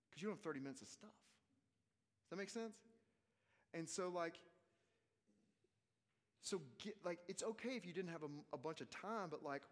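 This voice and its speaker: Casual Southern US male teacher fielding questions, fairly high voice, conversational and halting, big echoing room. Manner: informal, halting, rephrases as he goes. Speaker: preaching teacher leading a question session. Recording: long reverb of a large hall.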